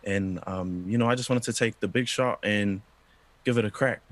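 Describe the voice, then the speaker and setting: A man's voice: lowish voice, moderate pace, dry recording. A young man from New Zealand on a video call, answering politely and earnestly, calling the host sir. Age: young adult. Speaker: interviewee. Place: indoor room.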